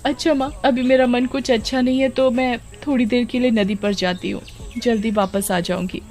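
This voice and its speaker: एक औरत द्वारा निभाई दुखी, भोली गांव की लड़की. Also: female voice, on the high side, steady tone, moderate pace, darkish tone, pitched above the performer's own voice, natural voice. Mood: tearful. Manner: tearful, stammering when scared. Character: sad young village girl teased for her hair. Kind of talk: children's storybook voice acting.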